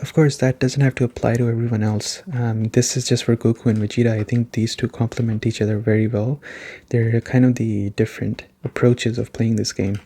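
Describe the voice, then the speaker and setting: A soft-spoken man hosting a gaming review as a gentle, unhurried, casual ASMR chat. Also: medium pitch. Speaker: gaming reviewer and video host.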